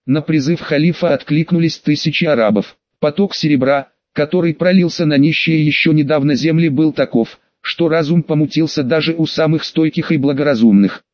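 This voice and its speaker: A man's voice: on the high side, dry recording. Man narrating a novel, dry and muffled. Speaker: audiobook narrator. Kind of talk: scripted narration of a historical novel.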